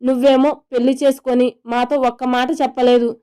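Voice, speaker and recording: A woman's voice: sits high, level tone, fairly quick, dark tone, clean tone, natural voice. A woman voicing a young man's scolding, questioning best friend in a romantic audio story.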